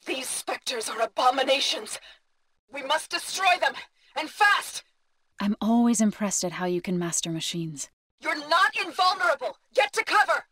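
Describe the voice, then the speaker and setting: A resolute tribal woman warrior and healer from a video game. She speaks with earnest conviction in measured, formal phrasing. The recording is close and dry, with no room sound. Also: high-pitched, big pitch swings, bright, forceful tone, dry recording, heavily acted. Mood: urgent battle shouting. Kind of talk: game character voice lines.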